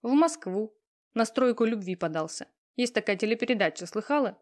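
A woman voicing a hurt, tearful young woman who answers slowly and stubbornly. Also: fairly high pitch, lively intonation, lightly acted. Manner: slow, subdued, stubborn replies. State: tearful, sniffling.

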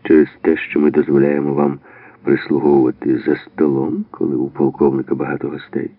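A man reading an audiobook, voicing a cold, stern male officer who speaks without warmth. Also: a bass voice, flat delivery, brisk, dry recording. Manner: cold, heartless. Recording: dry, phone-like narrow band.

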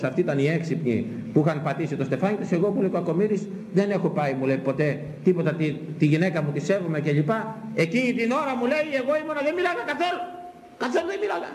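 An older man, a Greek priest, preaching a sermon with impassioned swings of pitch and much repetition. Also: a little mellow, slight background noise. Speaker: Orthodox priest. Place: church hall. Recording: echoey hall, faint ambience.

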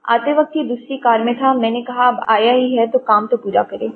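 A woman's voice: fairly high pitch, fairly even intonation, close to an everyday voice. A woman playing a curt, haughty wealthy wife. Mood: irritated. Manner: curt, scolding. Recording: tinny phone-like audio, faint hiss.

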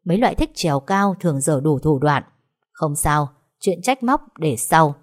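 A woman voicing a betrayed young wife in an audio story, bitter and often shouting. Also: sits low, lively intonation, normal speed. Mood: bitterly controlled.

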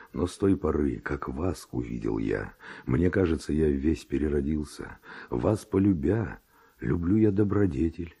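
An actor playing a passionate, pleading seducer in a radio verse drama, with slow declamatory delivery. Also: male voice, very deep voice, mellow, slightly rough, exaggerated voice. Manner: slow, declamatory, rhetorical courting. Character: Don Juan, passionate male seducer, ardent and pleading. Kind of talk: classic Russian radio drama acting of verse.

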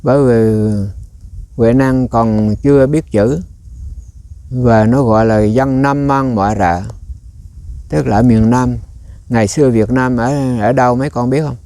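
A man's voice: mid-range voice, steady tone, unhurried, pauses often, dark tone, smooth, no echo. A man giving a rambling, conversational dharma talk as a Buddhist monk, often turning to quiz his listeners.

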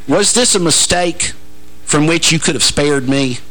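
A man, hosting a radio interview in a teasing, joking way with halting restarts. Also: a little high, pushed and bright, poor audio. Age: 40s. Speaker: radio show host. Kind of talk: casual interview chat.

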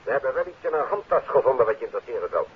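Husky blunt police inspector. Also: male voice, mid-range voice, big pitch swings, very fast. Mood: blunt, businesslike. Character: gruff, businesslike male police chief inspector. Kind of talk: 1950s radio drama acting. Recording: phone-like muffled 1950s radio recording.

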